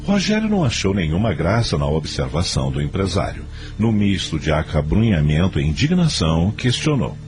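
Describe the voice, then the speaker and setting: A man's voice: deep voice, huge pitch swings, brisk, hardly any pauses, a little mellow, faint music behind. A man narrating a radio serial in a dramatic, scripted style.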